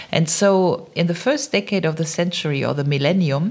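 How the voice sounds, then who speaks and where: Speaking with a German accent, a woman uses a fairly low pitch and lively intonation at a moderate pace amid noticeable background noise. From Germany. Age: 50s. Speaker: podcast host. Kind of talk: interview. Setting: remote call from home.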